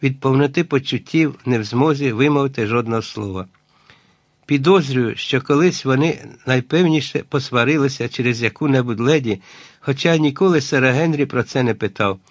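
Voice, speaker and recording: A man narrating an adventure audiobook in a measured, even storytelling voice of ordinary pitch. The sound is dry and close, with no room around it. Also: dry recording.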